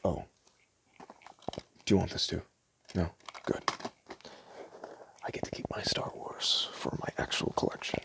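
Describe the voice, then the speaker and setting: A man doing a soft-spoken ASMR roleplay as a store clerk, talking in a casual, hesitant, rambling way. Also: deep voice, flat delivery, unhurried, gravelly, long pauses. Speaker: ASMR creator playing a DVD store clerk.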